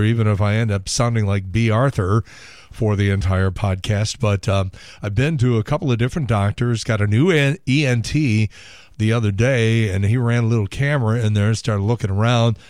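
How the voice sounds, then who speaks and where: A middle-aged radio and podcast host who sounds hoarse, talking in a wry, sarcastic, rambling comic monologue. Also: male voice, lowish voice, darkish tone, no echo, studio quality. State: hoarse from laryngitis.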